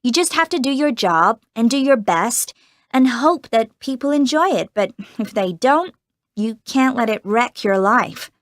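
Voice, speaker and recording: A woman playing a cheerful American teenage girl actress in a scripted interview, chatty and quick to laugh, with an American accent. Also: fairly high pitch, expressive, no room sound, clean studio sound. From United States. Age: teens. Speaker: young film actress being interviewed. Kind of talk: scripted exam-recording interview.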